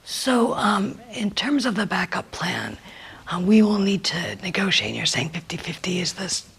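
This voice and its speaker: Woman's live interpreter voice, gravelly and halting. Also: lowish voice, sing-song, a bit bright. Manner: hesitant, halting phrasing with frequent ums. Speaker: colleague in a planning meeting. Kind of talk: live sign language interpretation voiced aloud.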